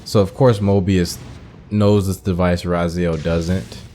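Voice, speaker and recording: A man's voice: sits low, steady tone, slow, mellow, slight background noise. A man giving casual playthrough commentary as the host of a gaming video.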